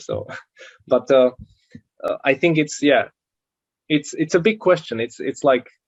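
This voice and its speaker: A man with a Slovak accent talks at a moderate pace, the sound dry and close with no echo. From Slovakia. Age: 30s. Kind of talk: interview.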